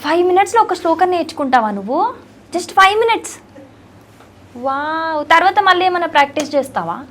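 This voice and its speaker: A woman's voice: very high-pitched, a little fast. A woman with a Telugu accent interviewing a young child in a playful, teasing, affectionate way. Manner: teasing, affectionate, animated questions.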